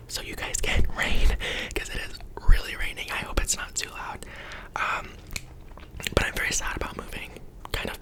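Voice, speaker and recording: Whispering eighteen-year-old guy, rambling. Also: rough recording. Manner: rambling, chatty, full of "um" and "like". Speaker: ASMR creator. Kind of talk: whispered ASMR Q&A. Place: his bedroom.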